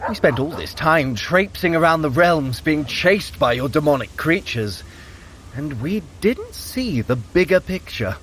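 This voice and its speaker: A silver-tongued trickster god, slightly high in pitch and swooping wildly between notes. He is wry and theatrical, an audio drama schemer with faint noise behind him. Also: unhurried. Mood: wry, flattering. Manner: wry, smooth flattery, theatrical.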